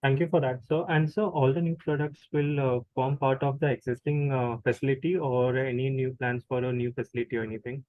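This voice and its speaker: Indian male analyst, polite questioner, mid pitch, dry but very narrow phone-like audio. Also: flat delivery, brisk, hardly any pauses, dry recording. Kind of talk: polite conference call questioning.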